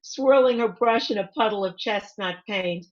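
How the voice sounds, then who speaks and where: A woman author reading her picture book aloud to children in an expressive storytime manner, with asides to point things out. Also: mid-range voice, moderate pace, lo-fi sound. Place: online library event.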